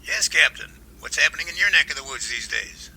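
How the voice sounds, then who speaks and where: A man's voice: a little high, expressive, fairly quick, vocal fry, pushed and bright, breathy edge, full character voice, low-quality recording. A man playing a genial, folksy professor and researcher in an amateur audio drama. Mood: affable. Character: genial, enthusiastic male professor and Bigfoot researcher.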